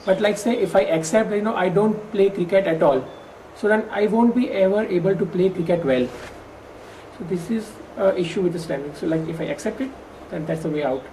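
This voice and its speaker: A woman with an Indian English accent, a workshop participant who stammers, explaining in a measured way with occasional stammered restarts. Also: mid-range voice, dark tone, slight background noise, rough recording. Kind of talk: exit interview, explaining in earnest.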